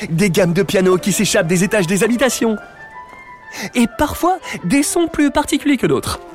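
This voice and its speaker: A man hosting an audio tour podcast, talking playfully with jokey asides to his listeners. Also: on the high side. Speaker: podcast host and park guide. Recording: music bed behind voice.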